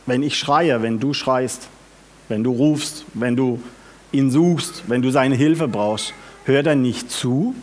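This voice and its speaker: Unhurried male preacher asking questions. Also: medium pitch. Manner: asks the audience questions, lively and emphatic. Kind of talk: sermon.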